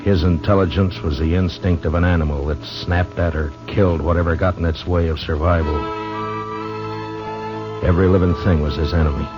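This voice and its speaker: An actor playing a calm, wry frontier marshal who also narrates, heard on an old 1950s radio broadcast recording. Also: male voice, low-pitched, fairly quick, highs cut off, music in the background. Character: steady frontier marshal, grown man, calm and dry. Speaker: narrator and lead character.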